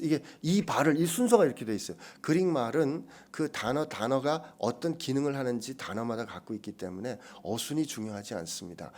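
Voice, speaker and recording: A male pastor preaching and explaining Greek words to his congregation, moving between loud emphasis and hushed, almost whispered lines. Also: mid-range voice. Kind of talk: expository sermon.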